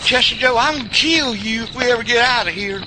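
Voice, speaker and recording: A man's voice: very high voice, a little fast. A man playing a sarcastic, hot-headed backwoods fellow with a twangy Southern US accent in an audio drama. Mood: alarmed, annoyed. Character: hot-headed, sarcastic rural Southern good ol' boy. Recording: clear outdoor ambience noise behind voice.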